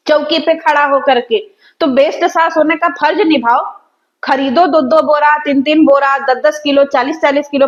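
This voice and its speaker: A woman's voice: high-pitched, dull audio. A young woman, hosting a reaction video and mockingly roasting in sarcastic rambling rants.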